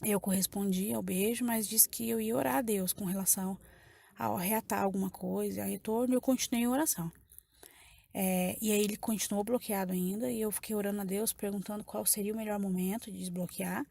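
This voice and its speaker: A woman's voice: mid-range voice, fairly even intonation, brisk, creaky, dark tone. A woman with a Brazilian accent giving an emotional personal testimony to a church congregation, repeating phrases as she tells her story. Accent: Brazilian Portuguese.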